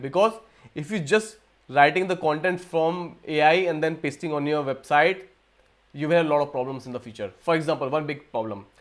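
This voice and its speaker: A man from India hosts a casual livestream Q&A, his voice sitting a little higher than most men's. He rambles, restarting sentences and repeating words as he goes, talking into a computer mic. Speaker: livestream host. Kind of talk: casual live Q&A talk.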